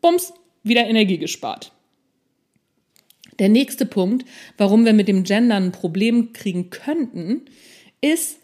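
This woman's voice sits fairly high with a darkish tone. A podcast host and non-fiction author, she runs her solo show informally, speaking straight to the listener and poking fun at herself.

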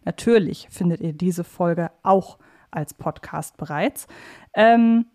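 A woman's voice: fairly low pitch, slow, dark tone. A woman hosting a podcast interview in a chatty, conversational style. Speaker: podcast host.

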